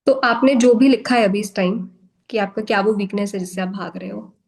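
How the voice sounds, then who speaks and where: A woman's voice: medium pitch, fairly quick, creaky, darkish tone, rough recording. A young woman from India hosting an online workshop in a frank, casual talk, mixing Hindi with Indian-accented English. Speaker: workshop host. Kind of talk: casual motivational talk to a live online class. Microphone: video call.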